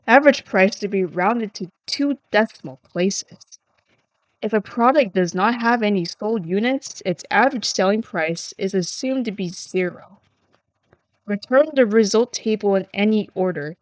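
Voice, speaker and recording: A woman's voice: medium pitch, expressive, a little slow, no room sound, low-quality recording. A woman livestreaming, chatting casually and thinking aloud in a rambling, self-deprecating way, her voice starting to tire. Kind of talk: casual livestream chat while coding.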